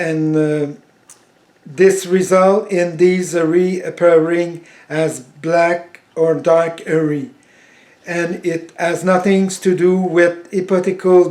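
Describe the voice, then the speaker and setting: The speaker has a French Canadian accent. The pace is very slow, and the intonation is monotone and flat. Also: man. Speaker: self-taught amateur scientist. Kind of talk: reading from a prepared text. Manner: halting, with many restarts.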